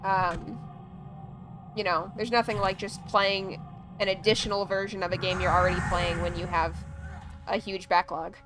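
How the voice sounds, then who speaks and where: A woman's voice: mid-range voice, little pitch movement, moderate pace, over music. A woman chatting casually on a gaming livestream, rambling along with plenty of "like" and "um". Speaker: streamer.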